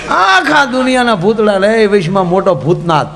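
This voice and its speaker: A man's voice: high voice, very animated, moderate pace, gravelly, fairly bright tone, some chatter behind. A middle-aged man, telling folk jokes and stories and acting out the characters' lines in a chatty, joking way. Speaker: folk comedian. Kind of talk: Gujarati folk comedy storytelling to a live audience.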